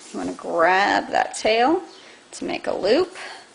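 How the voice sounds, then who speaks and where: A woman's voice over noticeable background noise. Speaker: craft instructor. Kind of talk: tutorial. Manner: slow, deliberate at first.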